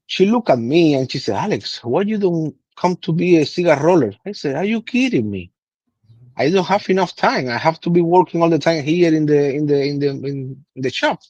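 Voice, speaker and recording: A man's voice: on the high side, no room sound. A man in his thirties from Cuba with a Cuban Spanish accent and Spanish as his first language, telling stories in an interview with many restarts. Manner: animated storytelling with many restarts. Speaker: guest, cigar master blender. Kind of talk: casual interview. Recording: slightly dull lo-fi sound.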